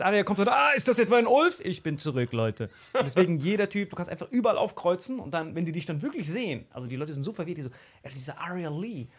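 Young male podcast co-host, animated slangy storyteller, slightly high voice. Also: a little hiss or hum. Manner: animated storytelling, acts out quoted people, slangy. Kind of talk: casual podcast chat.

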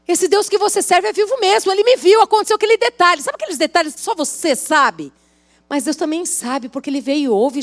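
A woman's voice: high voice, fairly bright tone. A woman pastor preaching at a women's church service, telling a story in a chatty way and asking the congregation questions. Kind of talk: sermon.

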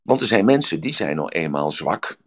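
Deep-voiced man talking loosely. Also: very animated, normal speed. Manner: rambling, with many "eh" fillers. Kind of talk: casual spoken talk with storytelling.

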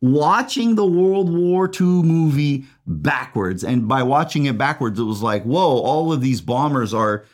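A man's voice: mid-range voice, lively intonation, unhurried, hardly any pauses. A man giving a casual, chatty book review, often asking "right?" and reading a passage aloud. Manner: chatty, tag questions, reads passage aloud.

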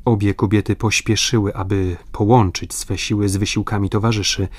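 A man reading a classic adventure novel aloud in a measured, literary way. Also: lowish voice, flat delivery, no room sound. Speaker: audiobook narrator. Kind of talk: scripted narration.

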